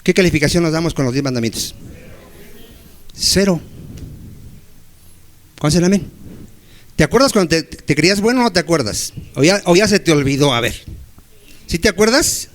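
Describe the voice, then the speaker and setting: A male pastor preaching a sermon to his church, firing rhetorical questions at the congregation and acting out pleading prayers in a slow, low voice. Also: lively intonation. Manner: acts out pleading prayers, dropping low and slowing down.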